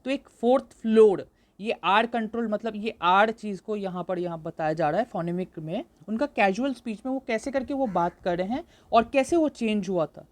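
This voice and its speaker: A young woman, tutoring for an exam and explaining slowly, mixing in English terms, with frequent fillers. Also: medium pitch. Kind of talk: exam-prep lecture.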